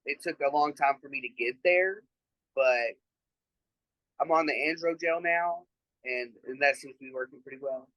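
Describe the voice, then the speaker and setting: A trans man talks through his experiences in a relaxed interview, earnest and reflective, often pausing on fillers. His tone is bright and forward. The sound is dry and close, with no room around it. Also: mid-range voice, dry recording, poor audio. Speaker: interview guest. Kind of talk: casual conversational interview.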